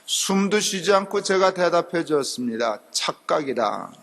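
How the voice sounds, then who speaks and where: Pastor preaching in an echoing hall. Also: male voice, animated, moderate pace, a bit bright, slight background noise. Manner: conversational storytelling, acts out quotes in a low voice. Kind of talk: sermon. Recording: long reverb of a church hall.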